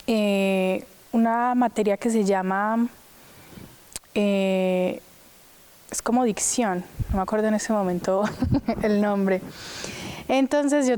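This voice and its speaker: Chatty young woman with a mellow voice. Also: fairly high pitch, a little hiss or hum. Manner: chatty and animated, full of "pues" and "o sea". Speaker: opera singer. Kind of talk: casual interview talk.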